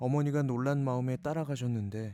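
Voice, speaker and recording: The man's pitch sits at a medium level. He talks fairly slowly with fairly even intonation. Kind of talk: horror story narration.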